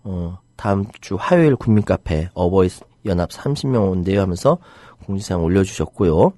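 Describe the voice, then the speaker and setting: A man's voice: low-pitched, animated, brisk, warm tone, no echo. A middle-aged man hosting a live online talk show, reading listener comments and mixing heated outbursts with jokey banter. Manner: heated, indignant outbursts about rights. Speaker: internet radio host reading listener comments.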